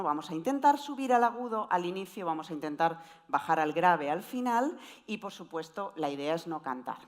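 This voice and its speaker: A woman giving an explanatory presentation talk on voice, with wide, lively swings in pitch. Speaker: voice coach speaker.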